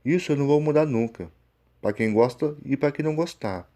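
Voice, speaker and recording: A man's voice: mid-range voice, a little fast, mellow. A Brazilian man with a plain, unpolished delivery, speaking as a channel host and story narrator. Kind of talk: scripted narration. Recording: music behind the voice. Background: prominent music.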